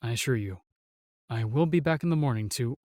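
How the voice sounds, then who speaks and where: A gallant, protective knight played by a man for a fantasy audio roleplay. He speaks formally and courteously in a middle-pitched voice. The sound is dry and close, the manner earnest and reserved. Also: expressive, fairly quick, a little mellow, no room sound, lightly acted. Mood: gentle, courteous.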